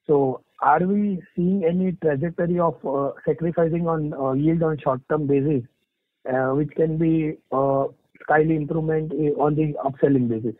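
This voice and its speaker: Indian man, analyst caller, fairly high pitch, halting polite delivery, dry telephone audio. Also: fairly even intonation, no room sound. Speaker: analyst asking questions. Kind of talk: earnings call question. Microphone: phone conference call. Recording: tinny, dry phone line.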